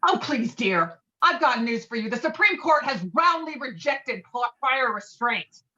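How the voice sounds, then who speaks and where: A woman playing a loud, stubborn, indignant war veteran in a table read, bombastic and combative. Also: fairly high pitch, animated, unhurried. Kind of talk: amateur virtual table read. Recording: dull, lo-fi call audio.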